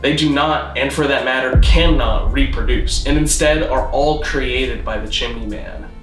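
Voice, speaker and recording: Bright, roomy male explainer voice. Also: mid-range voice, measured pace, faint music behind. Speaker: presenter of a constructed-language video. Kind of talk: scripted narration, mock-documentary explainer.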